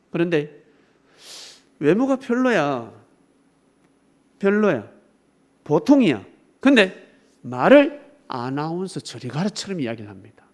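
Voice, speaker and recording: A male pastor preaching a sermon, emphatic and swinging between loud exclamations and softer asides, often asking the congregation rhetorical questions. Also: fairly high pitch, slightly rough.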